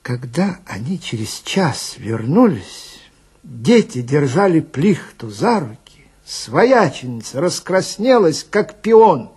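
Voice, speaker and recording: A man's voice: on the high side, sing-song, slow pace, a little mellow, husky. A man telling a first-person story dramatically, in a conversational, wry way, as a police detective narrator.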